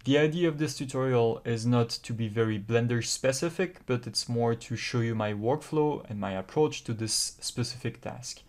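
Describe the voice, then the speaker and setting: A man with a French accent talking through a step-by-step software tutorial, explaining carefully with frequent pauses. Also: mid-range voice. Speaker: tutorial host.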